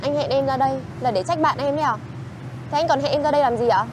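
A woman's voice: high-pitched, fast talker, noisy background, close to an everyday voice. An actress with a Northern Vietnamese accent playing an exasperated, reproachful young girlfriend in a TV drama. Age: 20s. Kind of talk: screen drama dialogue.

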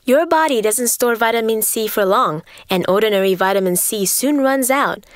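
A woman's voice: a little high, moderate pace, dry recording, clean studio sound. A woman doing polished scripted commercial voice-over as an actress.

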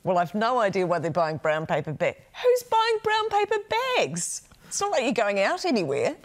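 A middle-aged woman with a New Zealand accent chatting in an animated way as a TV presenter in a studio. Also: mid-range voice, moderate pace. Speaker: TV news presenter. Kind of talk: casual co-host banter.

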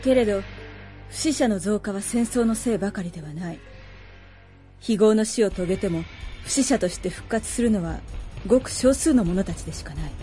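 Woman as a mellow, solemn warrior goddess. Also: mid-range voice, expressive, soft background music, close to an everyday voice. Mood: grave, pondering. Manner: grave, formal, measured. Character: solemn, composed battle goddess, a valkyrie. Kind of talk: Japanese radio drama acting.

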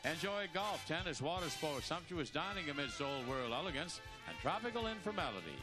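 A man with an American accent announces game show prizes in a booming, excited style. His voice sits high and moves in big, animated swoops, stressing the selling words. Loud music plays underneath. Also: brisk. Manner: excited, emphatic salesmanship.

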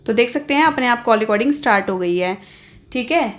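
High-voiced Indian woman giving phone tutorial. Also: expressive, fast. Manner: explains step by step with frequent check-in tags. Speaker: tech tutorial host. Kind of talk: informal spoken phone tutorial.

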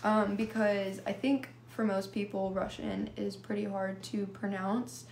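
A woman's voice: mid-range voice, level tone, measured pace, a little mellow, roomy sound, slight background noise. A young woman from California chatting casually and sleepily with viewers on a phone livestream. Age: young adult. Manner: casual, drowsy, answers viewers in short bits. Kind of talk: live stream chat reading comments. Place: small room indoors. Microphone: phone held close to face.

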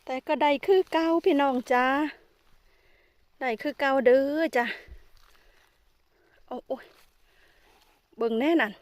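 A woman's voice: sits high, slow pace, long pauses, no room sound. A woman with an Isan Thai accent chatting casually as she vlogs outdoors in a forest, exclaiming often. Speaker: vlogger. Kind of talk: casual vlog narration.

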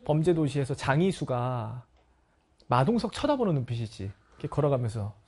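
A man's voice: mid-range voice, fairly quick, slight background noise. A middle-aged man, a language lecturer, telling his students a story in a casual way and acting out the scenes with sound effects. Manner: animated, acts out scenes with sound effects and voices.

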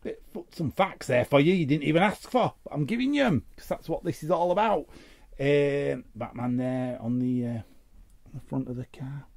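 A man's voice: mid-range voice, normal speed, darkish tone. A man giving casual, chatty unboxing commentary as host, muttering and repeating short phrases to himself. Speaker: host of a trading card opening show.

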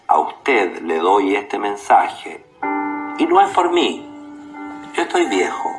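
A Chilean man acting a defiant, proud ageing gay poet, declaiming deliberately in a radio play monologue. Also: deep voice. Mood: earnest, wistful. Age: older. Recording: roomy echo with music behind.

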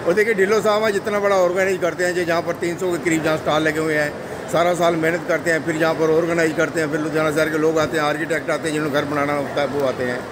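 A man's voice: a little high, little pitch movement, racing. A man with a Punjabi accent, vlogging on a phone as he walks through a busy exhibition hall and chats with people. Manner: chatty, greets people warmly in passing. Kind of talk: walk-around expo vlog chat. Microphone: handheld phone camera. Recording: loud background noise.

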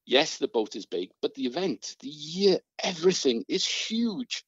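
A man acts a worried, earnest British events worker in a radio play. His hesitant speech moves widely in pitch. The sound is dry and a little dull. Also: sing-song, a little slow, slightly rough, no echo, heavily acted. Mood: anxious. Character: anxious, earnest male events project worker. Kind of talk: radio drama. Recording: dry, slightly muffled.

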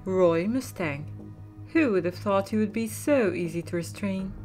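A woman playing a smug, menacing young kidnapper with a mocking, deliberate manner in a fan audio drama. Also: medium pitch, animated, darkish tone, faint music behind, lightly acted. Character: taunting female kidnapper in late twenties, smug, menacing.

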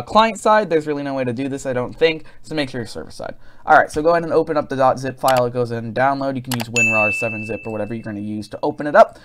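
A man giving a casual software tutorial as host, recorded as a voice-over at his computer. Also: medium pitch.

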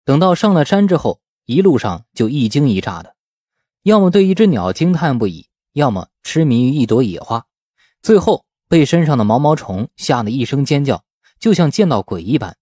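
A man narrating a novel as a scripted audiobook, in an expressive storytelling manner. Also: mid-range voice, normal speed, slightly rough, no echo, clean studio sound.

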